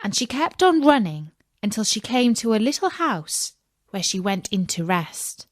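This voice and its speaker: A woman storyteller narrating a scripted children's fairy tale in a measured, deliberate read-aloud delivery. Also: mid-range voice, sing-song, dry recording, clean studio sound.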